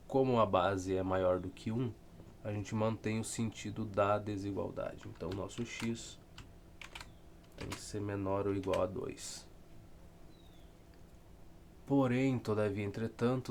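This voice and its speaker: Low-voiced southern Brazilian man tutoring casually. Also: steady tone, a little slow, long pauses, background noise. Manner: informal, rambling, self-deprecating, dry humour. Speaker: math tutor. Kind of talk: casual lesson, solving textbook problems aloud.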